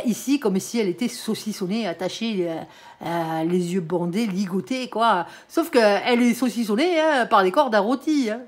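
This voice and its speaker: A woman with a regional French accent reads tarot in a loose, chatty way. She is blunt and familiar, dropping "hein" after nearly every phrase, and her voice sits in a middle pitch. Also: a little mellow. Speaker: tarot reader. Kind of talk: casual spoken tarot reading.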